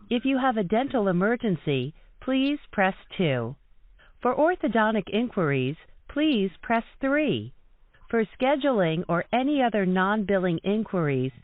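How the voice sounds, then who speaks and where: A woman reading a recorded phone menu in a slow, measured way. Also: mid-range voice, no room sound. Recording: dry, tinny phone line.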